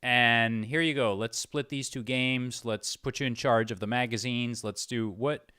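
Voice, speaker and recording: A man's voice: mid-range voice, steady tone, a little slow, pushed and bright, clear, resonant tone, no room sound. Male interviewer, very dry sound. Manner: attentive, frequent short acknowledgements. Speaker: interviewer, host. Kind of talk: casual conversational interview.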